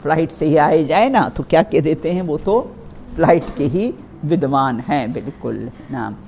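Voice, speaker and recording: A woman's voice: low-pitched, darkish tone, a little hiss or hum. A woman teaching a religious philosophy class in a study hall, checking in often with her listeners.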